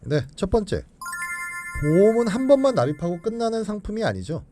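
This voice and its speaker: A man, a financial expert guest on a radio show, explaining insurance changes quickly. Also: high voice, big pitch swings, music in the background. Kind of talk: radio advice talk. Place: radio studio.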